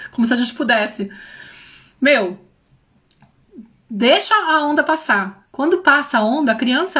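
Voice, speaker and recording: A young woman with a high, bright-toned voice gives a casual livestream talk as a parenting mentor. Her São slips in often, and she talks straight to her viewers with lively, animated delivery. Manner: animated, addresses viewers directly, acts out quoted voices.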